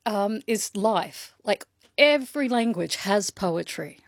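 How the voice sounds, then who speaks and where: A woman voices a deaf poet's signed answers in first person. She gives each phrase room and lays it down calmly and deliberately. Her voice is close and dry, with no room sound around it. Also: medium pitch, no echo. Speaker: sign language interpreter. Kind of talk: interpreting a deaf guest's answers.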